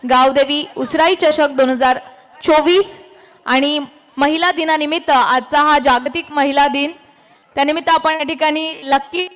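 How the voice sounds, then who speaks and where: A woman announcing at a public event, formally addressing the crowd, her voice carried through an outdoor loudspeaker. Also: high voice, fairly even intonation, unhurried, in a large hall.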